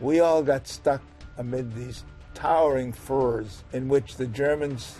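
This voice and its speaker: A man with an American accent speaks at a medium pitch. Music plays in the background. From New London, Connecticut. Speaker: World War II veteran, former rifleman. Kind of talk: interview answer.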